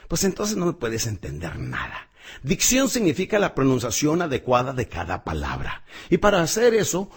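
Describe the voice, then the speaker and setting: A middle-aged man with a slightly husky voice, teaching public speaking in an emphatic, motivational audio lesson. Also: huge pitch swings, moderate pace. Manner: emphatic, swings pitch and volume widely.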